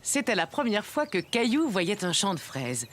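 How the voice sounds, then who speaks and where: A woman playing a gentle storyteller, narrating a children's cartoon in a scripted storybook style. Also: medium pitch, big pitch swings, moderate pace, a little hiss or hum, lightly acted. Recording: music behind.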